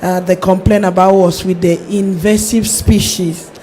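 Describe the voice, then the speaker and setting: A woman's voice: fairly low pitch, fairly even intonation, moderate pace, dark tone, slight background noise. A woman from Nigeria speaking from the audience, hesitant with fillers. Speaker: audience member. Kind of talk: question from the floor.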